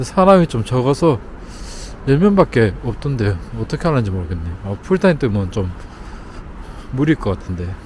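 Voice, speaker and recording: Amid noticeable background noise, a man of medium pitch speaks at a moderate pace with very wide pitch swings. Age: 40s. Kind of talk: casual vlog talk to camera.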